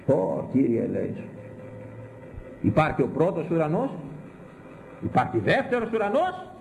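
An older man preaching a sermon on scripture, animated and mocking, firing rhetorical questions at his listeners. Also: on the high side, gravelly, a little hiss or hum. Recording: echoey room.

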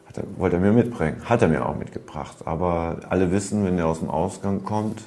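A man's voice: sits low, a little fast, dark tone. A man casually recounting old stories in a rambling way, full of street slang and fillers. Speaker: storyteller recounting past. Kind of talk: casual spoken storytelling.

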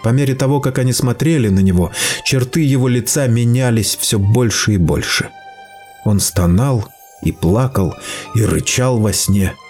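A man reading a story aloud in steady, measured scripted narration. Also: mid-range voice. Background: faint music.

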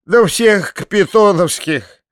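A man's voice: high-pitched, slow pace, smooth, no room sound, studio quality, voice pushed up. A man voicing a ragged, drunken carpenter with a thin, rattling voice who drawls slyly and mournfully. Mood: spiteful. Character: drunken ragged middle-aged male carpenter.

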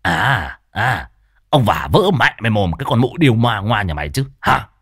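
A coarse young village thief speaks in a low, gruff voice in a storybook, as a man acts him out. He is surly and swaggering. The sound is dry and close. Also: big pitch swings, normal speed, a bit bright, dry recording, heavily acted. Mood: aggressive.

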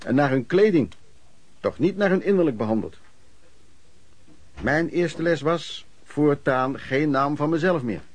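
An actor narrating a Dutch radio play as a reflective vagrant, in measured, formal, scripted sentences. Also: male voice, fairly high pitch, expressive. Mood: rueful, reflective. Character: earnest, rueful vagrant narrator recalling lodging-house life.

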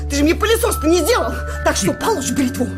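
An actress playing a jealous, sarcastic working-class wife who nags bluntly in a radio comedy play. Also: female voice, sits high, lively intonation, quick pace, music in the background. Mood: scornful, aggrieved. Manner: nagging, sarcastic, colloquial and blunt.

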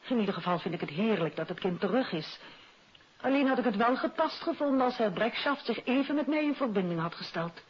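An actress playing a prim, easily affronted headmistress in a 1950s radio detective drama. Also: female voice, fairly high pitch, lively intonation, a little fast, slight background noise, natural voice. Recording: muffled old radio recording.

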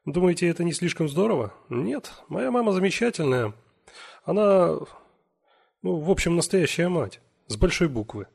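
Brief: cheerful young woman magician, husky voice, lively, read by a man. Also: a little high, normal speed, voice pushed up, heavily acted. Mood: fond.

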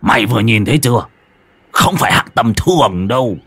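A man playing a gruff, boastful old male shaman who barks his lines. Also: medium pitch, expressive, fairly quick, fairly bright tone, no echo, heavily acted.

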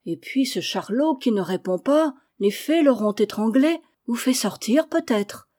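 A woman reading aloud, voicing a good-hearted, quick-witted maidservant. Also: medium pitch, animated, warm tone, close to an everyday voice. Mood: sly. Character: kindly clever maidservant.

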